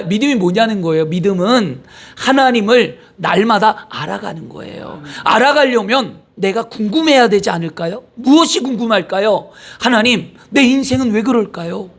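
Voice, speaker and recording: High-voiced pastor preaching with a cold. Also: male voice. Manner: conversational preaching, rhetorical questions, tells family anecdotes. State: has a cold. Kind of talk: sermon. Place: church sanctuary.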